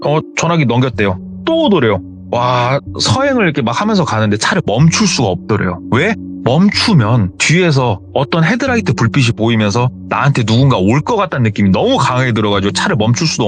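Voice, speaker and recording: A man animatedly retelling a scary true story in a dramatic way. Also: medium pitch.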